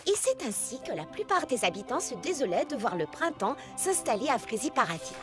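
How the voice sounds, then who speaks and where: A woman voicing a patient, playful storyteller in a children's cartoon, narrating in an expressive, teasing way. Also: on the high side, brisk, music in the background. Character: patient, playful female storyteller reading her own book.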